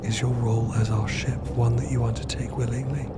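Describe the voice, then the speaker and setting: A man playing a calm, reverent acolyte in an audio drama, speaking formally, softly and patiently. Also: mid-range voice, a little fast, loud music behind the voice, close to an everyday voice. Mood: solemn, gentle. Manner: formal, patient, soft-spoken. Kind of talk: audio fiction acting.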